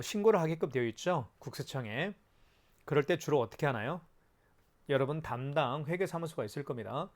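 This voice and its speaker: A man presenting a product in a hands-on tutorial, explaining step by step in an instructive way with rhetorical questions. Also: fairly high pitch.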